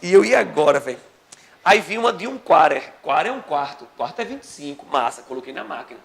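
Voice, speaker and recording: A man's voice: fairly high pitch, brisk. A man, teaching a history class and telling a comic story, acting out the other voices. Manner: animated storyteller, acts out voices. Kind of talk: classroom lecture with comic anecdote.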